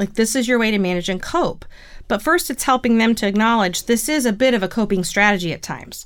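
In a normal speaking voice, a woman talks at a fairly quick pace with lively intonation and fairly high pitch, on a very clean recording with a silent background. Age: 40s. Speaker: clinical social worker. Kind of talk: interview. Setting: studio.

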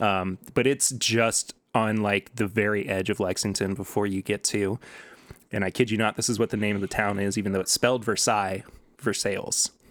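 A man talks at a moderate pace with a fairly low pitch and flat, monotone intonation, the sound dry and close with no echo. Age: 20s. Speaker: singer-songwriter. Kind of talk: casual interview chat.

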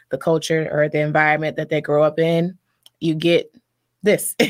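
Woman with a very deep, low pitch and an American accent, at a moderate pace, in a very clean recording with a silent background. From Atlanta, Georgia. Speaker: ministry and music helper. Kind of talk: casual chat.

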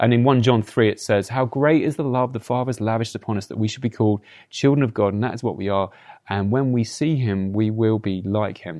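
A very fast pace with ordinary pitch variation, in a British accent. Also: man, medium pitch for a man. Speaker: preacher. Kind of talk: sermon.

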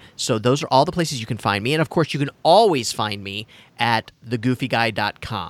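This man has an unremarkable speaking voice, a medium pitch and lively intonation, with an American accent. The sound is dry and close with no echo, on a very clean recording with a silent background. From Chicago area, US Midwest. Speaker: podcast host. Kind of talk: casual chat.

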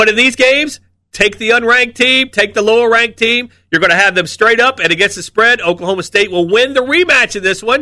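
A man talks at a very fast pace in a raised, projected voice with a bright, sharp tone. His pitch is high, with ordinary variation. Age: 50s. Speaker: sports radio host. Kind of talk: radio monologue.

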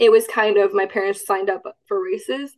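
Her pitch varies in an ordinary way as a woman talks fairly quickly against a quiet background. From Austin, Texas. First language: Cantonese. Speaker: doctor and movement coach for athletes. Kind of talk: casual interview.

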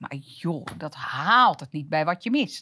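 A woman speaks at a very slow pace. Her tone is bright and sharp, and her pitch is fairly low. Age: 50s. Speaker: business owner and coach. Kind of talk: casual interview.

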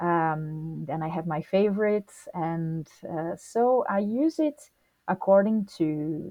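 A woman with a Portuguese accent speaks at a very slow pace. Her tone is dark and mellow, and her pitch varies in an ordinary way. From Brazil (Joinville). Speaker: physical theater performer. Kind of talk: interview.

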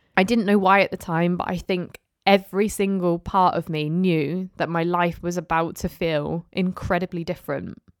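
A woman's fairly low, monotone, flat voice at a moderate pace, with hardly any pauses, in a dry, close sound with no echo. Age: 20s. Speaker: podcast host. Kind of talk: personal monologue. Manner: wavering voice.

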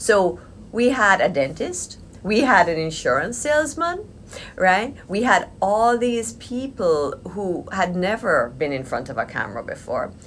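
A woman at medium pitch talks at a fairly slow pace with very wide pitch swings and vocal fry. Audible room echo surrounds her voice. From Jamaica. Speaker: filmmaker and producer. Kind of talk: interview conversation. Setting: in a theater building.

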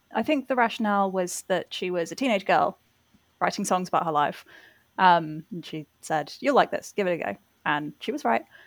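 Speaking with an English accent, this woman keeps her voice at a medium pitch. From England. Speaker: guest, pick'em league champion. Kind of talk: casual interview. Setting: remote call from the UK.

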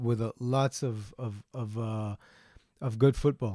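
In an Israeli accent, a man talks at a medium pitch with a dark, mellow tone, the sound dry and close with no echo. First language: Hebrew. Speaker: podcast co-host. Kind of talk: interview. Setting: studio.

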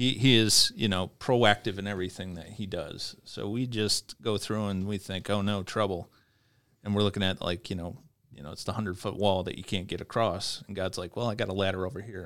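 A man with an American accent speaks at a fairly low pitch and a fairly quick pace, with fairly even intonation and big swings in loudness. He has a plain, everyday voice on a very clean recording with a silent background. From upstate New York. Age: 40s. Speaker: podcast guest, former Marine. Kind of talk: casual chat.

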